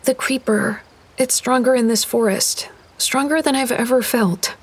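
A woman voicing an eerie young girl in a high, hushed, ominous tone. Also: unhurried, husky. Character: eerie young girl who senses danger.

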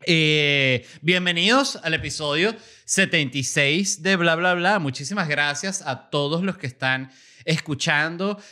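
Bright-voiced joking podcast host. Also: male voice, fairly high pitch. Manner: playful, jokey, shifts into mock ASMR murmur. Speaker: podcast host and stand-up comedian. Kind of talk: casual comedic monologue.

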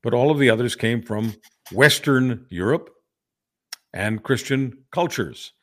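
An older Hungarian-born man co-hosts a political podcast in a casual discussion, speaking earnestly and often restarting phrases. His mid-range voice has lively intonation and a fairly bright tone, and he takes his time.

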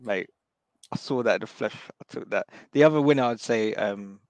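A man with a hoarse voice, a podcast panelist talking in a rambling, casual way full of fillers and restarts. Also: fairly low pitch, moderate pace, a little mellow, dry recording. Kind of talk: casual chat.

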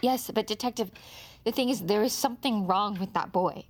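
An actress playing a frantic, grieving mother who stammers and rises to desperate shouts under police questioning. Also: mid-range voice, brisk, close to an everyday voice. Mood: anxious.

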